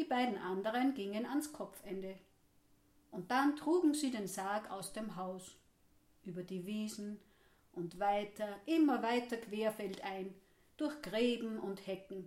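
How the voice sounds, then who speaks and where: The woman talks at a very slow pace. Her speech has long, frequent pauses. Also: lively intonation. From Upper Austria. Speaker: storyteller. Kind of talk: storytelling, ghost story told aloud. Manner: suspenseful, hushed, dramatic pacing.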